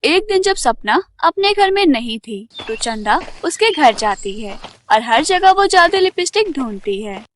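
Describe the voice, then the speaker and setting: A woman's voice: sits high, sing-song, unhurried, hardly any pauses. A woman narrating a scripted children's fairy tale as the storyteller.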